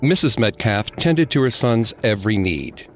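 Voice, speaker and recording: A man co-hosting a podcast, reading scripted true-crime narration in a measured, grave delivery. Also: medium pitch, animated, faint music behind. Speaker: podcast co-host.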